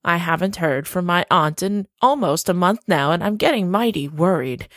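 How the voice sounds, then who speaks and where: An actress playing a gracious, slightly secretive woman host in an audio drama, speaking slowly and courteously. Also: fairly low pitch, expressive, dry recording, studio quality, lightly acted.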